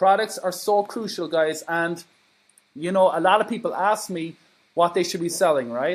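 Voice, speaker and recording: An American accent with ordinary pitch variation. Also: man, high pitch for a man. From Ireland. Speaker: e-commerce trainer. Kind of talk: livestream training. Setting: Facebook Live broadcast. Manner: fast, many fillers and restarts.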